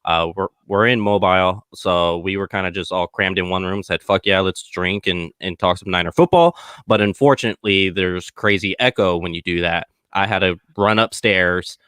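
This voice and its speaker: Man, podcast host, relaxed chatty, lowish voice, dry laptop audio. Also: normal speed, clean tone, no echo. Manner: relaxed, chatty, apologetic, handing off to others. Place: upstairs room, laptop on a pillow.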